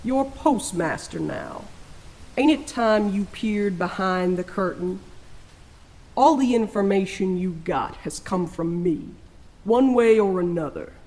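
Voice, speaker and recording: Ancient trickster spirit played by an actor for audio drama: unhurried, folksy, theatrical, world-weary, mid-range voice. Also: mid-range voice, a little mellow. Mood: taunting, knowing. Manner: slow drawling folksy speech, theatrical. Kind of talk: scripted audio drama acting.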